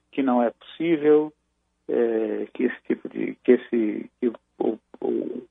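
A Brazilian man commenting on military affairs in a halting, measured way, with many restarts. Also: medium pitch, creaky, dry recording. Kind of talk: phone-in analysis on a news program. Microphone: phone. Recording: tinny phone line.

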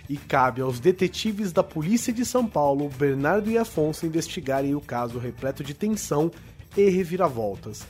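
A Brazilian man with a slightly high-pitched voice presents a podcast. He chats casually and recommends a show over background music. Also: lively intonation, moderate pace, darkish tone. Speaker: podcast host.

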